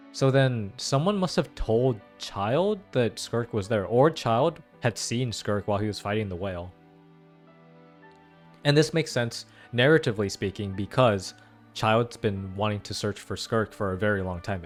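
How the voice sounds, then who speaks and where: Young guy reacting, game music behind. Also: fairly low pitch. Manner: slangy, excitable fan talk. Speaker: gaming reaction creator. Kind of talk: casual play-through reaction commentary.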